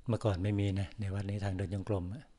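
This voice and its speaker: A man's low, mellow voice delivers a dharma talk at a forest monastery. He keeps an even, level tone throughout. He speaks in slow, measured phrases with many pauses. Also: slightly rough. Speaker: Buddhist monk giving a dharma talk. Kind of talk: sermon.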